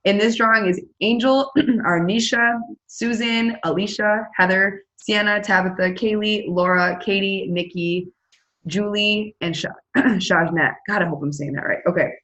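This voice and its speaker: A woman speaks unhurriedly in a mid-range voice that is pushed and bright, captured with lo-fi sound. Leading a team meeting on a video call, she chats enthusiastically about sales goals and runs prize drawings in a casual pep-talk style.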